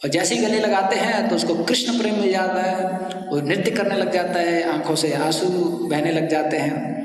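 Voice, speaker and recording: High-voiced preacher man in an echoey hall. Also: moderate pace, recorded from a distance. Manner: lively storyteller, acts out dialogue. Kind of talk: devotional storytelling talk.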